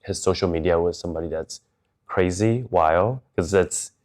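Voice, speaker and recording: A man's voice: deep voice, normal speed, a little mellow. A man from Taiwan who moved to Chicago, talking candidly and conversationally as an interview guest.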